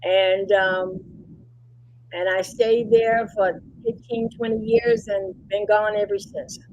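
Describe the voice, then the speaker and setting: A woman from Cleveland, Ohio, presents an informal webinar on nonprofits over an online call, repeating her points and checking in often. Her medium-pitched voice is slow, flat, and a little mellow, with the highs cut off. Faint background noise sits under the call.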